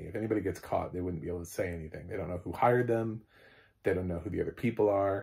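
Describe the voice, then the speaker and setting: A man's very deep, low voice, somewhat breathy, with fairly even intonation, in a very clean recording with a silent background. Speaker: movie reviewer. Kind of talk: casual film review. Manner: hesitant, many fillers.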